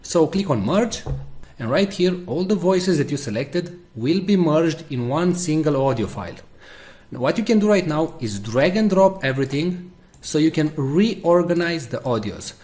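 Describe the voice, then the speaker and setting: A man narrating a step-by-step software tutorial as its presenter. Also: a little high.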